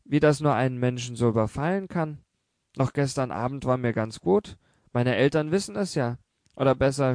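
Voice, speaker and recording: A man voicing an anxious young salesman who rushes out pleading, flustered excuses. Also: mid-range voice, darkish tone, no echo, studio quality, voice pushed up, lightly acted.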